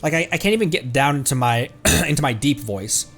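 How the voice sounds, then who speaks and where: Hoarse young man rambling over game music. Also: expressive, brisk, a bit bright. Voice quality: tight throat, voice pushed into a higher register. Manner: rambling, with many fillers and self-corrections. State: strained, slightly shredded voice. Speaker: streamer. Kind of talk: casual live gameplay commentary.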